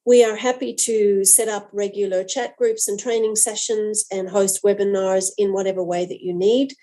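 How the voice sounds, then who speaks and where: A middle-aged woman presents her products to sales agents. Her voice is mellow and warm, in a medium pitch. She is earnest and stresses key points by repeating words. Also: steady tone, normal speed. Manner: earnest, emphatic repetitions.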